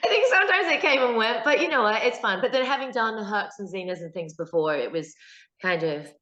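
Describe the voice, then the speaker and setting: A woman's voice: on the high side, animated, fairly quick, bright, forceful tone. A woman with a New Zealand accent, a guest actor chatting casually in an interview, full of fillers and side stories. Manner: chatty, anecdotal, frequent fillers. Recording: echoey, dull lo-fi call audio.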